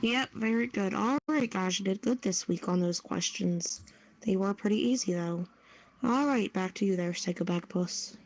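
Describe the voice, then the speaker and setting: A woman's voice: medium pitch, moderate pace, darkish tone, no room sound. Woman hosting a quiz, dry muffled sound. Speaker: quiz host. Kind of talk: quiz questions on a group podcast. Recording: dull, lo-fi online audio.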